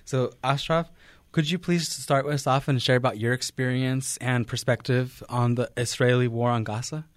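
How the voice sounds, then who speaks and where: A man hosting a radio talk program with a measured, formal delivery. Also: mid-range voice, fairly even intonation, no echo. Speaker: radio host.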